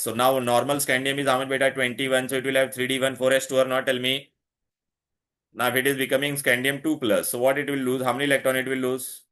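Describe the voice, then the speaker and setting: A man with a South Asian accent tutors at a very brisk pace. He mixes English with Hindi, repeats key points and keeps firing short questions to check understanding. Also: mid-range voice, a bit bright. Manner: repetitive, quizzing, checking with questions. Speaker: chemistry tutor. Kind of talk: interactive one-on-one lesson, mixing English and Hindi.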